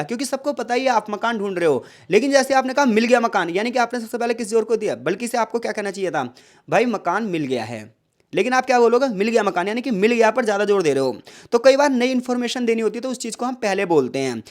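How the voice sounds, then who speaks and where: Man tutoring for an exam, chatty. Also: high-pitched. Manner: asks rhetorical questions, calls listeners brother; mixes English words into Hindi. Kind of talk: exam-prep lecture.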